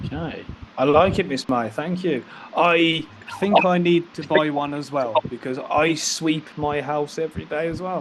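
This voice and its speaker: A man speaks at a fairly slow pace with a fairly high pitch and ordinary pitch variation. Noticeable background noise is present. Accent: British. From Britain. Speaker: English teacher. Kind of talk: online English lesson. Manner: encouraging, clear.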